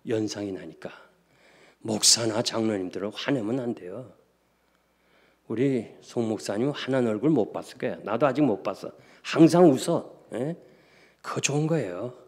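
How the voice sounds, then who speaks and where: A Korean man preaching a revival sermon, telling stories and swinging between hushed asides and loud exclamations. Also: lowish voice. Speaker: pastor. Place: church sanctuary. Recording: long church reverb.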